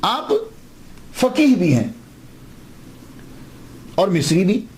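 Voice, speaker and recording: High-voiced scholar lecturing. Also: male voice, sing-song, a little mellow, breathy edge. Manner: explanatory, poses questions then answers them; slows down to spell out names and words. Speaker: Islamic scholar. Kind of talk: religious lecture.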